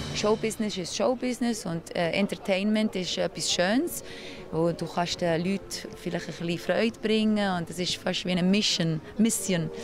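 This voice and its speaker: A woman at medium pitch with ordinary pitch variation and a moderate pace, music in the background. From Switzerland. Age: 30s. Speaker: TV presenter. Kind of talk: interview answer.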